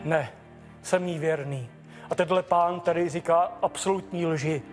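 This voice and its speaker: An actor playing a hot-tempered husband accused of cheating, defensive and swearing in a TV courtroom show. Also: male voice, on the high side, fairly even intonation, faint music behind, natural voice. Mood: angry. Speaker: respondent, husband.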